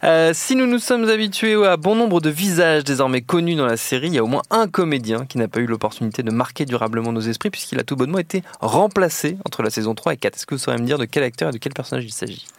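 A man hosting a casual panel chat and quiz, lively and teasing, laughing often. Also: medium pitch, fast, few pauses, no echo. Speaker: host.

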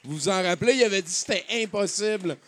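A man's voice: sits high, fast, fairly bright tone. A man hosting a live radio show, announcing with energy and many filler words. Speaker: radio host.

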